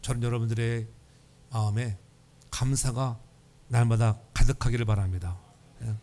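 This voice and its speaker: A man's voice: mid-range voice, fairly even intonation, normal speed, mellow, a little hiss or hum. A man preaching a Sunday sermon in a church, telling humorous stories and asking the congregation for responses. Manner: humorous storytelling. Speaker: pastor. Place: church sanctuary.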